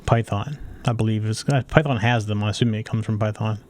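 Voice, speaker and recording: A man's voice: fairly low pitch, steady tone, a little fast, a little mellow. A man co-hosting a casual tech chat, talking in a chatty way with rambling restarts. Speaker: co-host.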